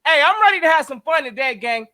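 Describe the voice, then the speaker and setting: Very high, bright, shouting hype man. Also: expressive, fast, dry recording, studio quality. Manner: loud, shouting hype calls. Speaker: podcast co-host. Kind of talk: hype show intro.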